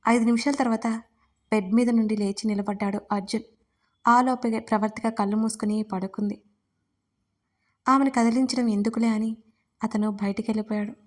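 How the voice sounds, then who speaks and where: A woman narrating a serialized audio story in a steady, even storytelling manner. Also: fairly high pitch.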